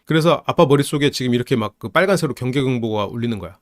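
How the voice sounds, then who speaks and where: A man hosting a psychology channel, casually analyzing a film, lively and laughing often as he acts out characters' lines. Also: mid-range voice, rapid-fire, no room sound, clean studio sound.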